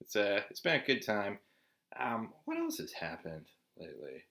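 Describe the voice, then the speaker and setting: A man's voice: fairly low pitch, huge pitch swings, moderate pace, creaky, bright, forceful tone. A man in his forties from Southern California, chatting casually to camera as a vlog host, laid-back and swearing often with lots of "like" and "dude". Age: 40s.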